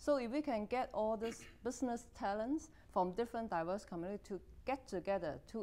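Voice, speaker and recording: Speaking at a moderate pace with a Chinese accent, a woman uses lively intonation in a very clean recording with a silent background. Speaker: politician, cabinet minister. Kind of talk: interview.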